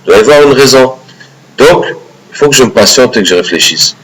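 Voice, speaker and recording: A man teaching a religious lesson, animated and often checking in with his listeners. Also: mid-range voice, a little fast, slight background noise, low-quality recording. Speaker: Quran teacher.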